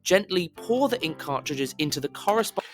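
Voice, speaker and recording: A man's voice: high voice, lively intonation, moderate pace. A man reading scripted narration as a voice actor, with a slightly pushed, over-articulated delivery, recorded in an audible room. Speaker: voice actor on a demo reel. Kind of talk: scripted commercial and instructional narration. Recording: roomy, reverberant home recording, music bed. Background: music bed in places.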